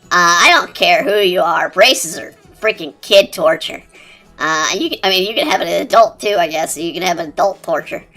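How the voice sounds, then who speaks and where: A streamer talking through a high-pitched chipmunk voice changer in rambling, casual chat while drawing. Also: moderate pace. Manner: rambling, chatty, lots of fillers. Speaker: art streamer. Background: quiet cafe-style background music.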